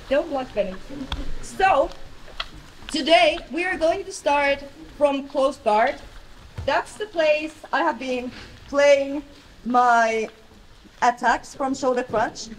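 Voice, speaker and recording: Woman, Finnish accent, thirties, high voice, slow halting delivery, loud plain instructor, distant camera, big bright mat hall. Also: a little hiss or hum. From Finland. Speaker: jiu-jitsu instructor. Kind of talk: live technique demonstration.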